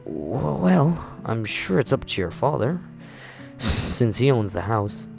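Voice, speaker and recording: A tactful, hesitant gentleman of rank from a visual novel, read by a man. The voice is gravelly and mid-pitched, politely careful, over soft music. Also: very animated, takes it slowly, exaggerated voice. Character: courteous, hesitant adult nobleman humoring a child.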